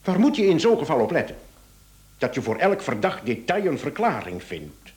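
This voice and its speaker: Radio drama inspector: shrewd, insinuating, sardonic, very animated intonation. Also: male voice, fairly high pitch, moderate pace. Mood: accusing. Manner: theatrical, probing, sardonic. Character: shrewd, insinuating male police inspector confronting suspects. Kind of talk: Dutch-language radio drama acting.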